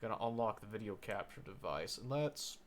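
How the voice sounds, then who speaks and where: A young man streaming a visual novel, reading the text aloud and joking about it in an animated way. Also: on the low side, fairly quick, a little hiss or hum. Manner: animated, jokey, reads game text aloud. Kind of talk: game playthrough, reading aloud and commenting. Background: faint piano game music.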